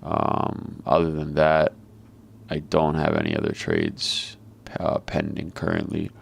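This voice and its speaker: A man with a very deep, heavily gravelly voice talks through the markets live. His delivery is flat and monotone, casual and blunt, and he swears freely. He sounds like he is on a video call. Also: slow pace. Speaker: trader and market commentator. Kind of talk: live trading commentary.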